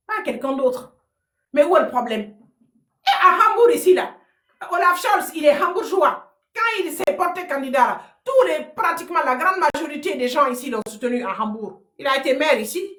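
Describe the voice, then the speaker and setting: A woman's voice: high-pitched, fairly bright tone. A woman, giving heated, sarcastic political commentary on a livestream and hammering her points home. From Guinea (Fouta). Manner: combative, sarcastic, repeats points. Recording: roomy echo.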